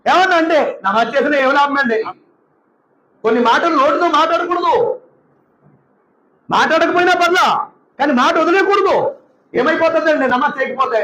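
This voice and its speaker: A man who is an imam, delivering a lively sermon and slipping into quick voices of his listeners. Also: very high-pitched, reverberant, slight background noise, rough recording. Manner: animated, mimics congregants in asides.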